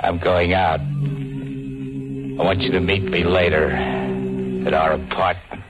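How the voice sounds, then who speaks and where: An actor playing a menacing, distrustful small-time hood with tough, slangy talk in an old-time radio crime drama. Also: male voice, low-pitched, takes it slowly. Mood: cold menace. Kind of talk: 1940s radio crime drama acting and narration. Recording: muffled old-time radio recording with music.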